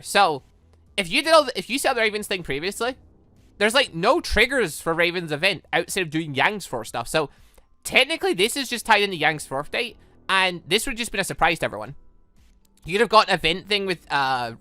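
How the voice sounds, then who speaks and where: A gaming host with a medium-pitched voice does let's-play commentary and reads game dialogue aloud, animated and rambling, often questioning himself in asides. The recording is dry, with game music in the background.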